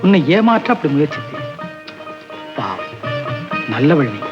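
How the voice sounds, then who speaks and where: An actor playing a young hero who feigns drunken despair, by turns bitter and gently teasing, in 1960s film acting. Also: male voice, a little high, very animated, a little slow, over music. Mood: tender. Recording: dull old film soundtrack.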